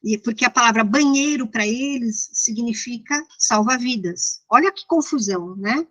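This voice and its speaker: A woman's voice: a little high, normal speed, a bit bright. A Brazilian woman with a São Paulo accent giving an informal, interactive lecture in a didactic, conversational way that checks in with listeners. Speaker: university lecturer.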